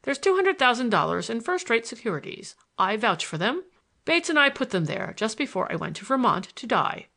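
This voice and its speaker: Lady reading as a sly old grandpa, pitched up, very swoopy, courteous and teasing, storybook style. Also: very animated, moderate pace, vocal fry, pushed and bright, heavily acted. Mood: proud, triumphant. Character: genial, sly old grandfather, relishing his surprise. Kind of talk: audiobook character dialogue.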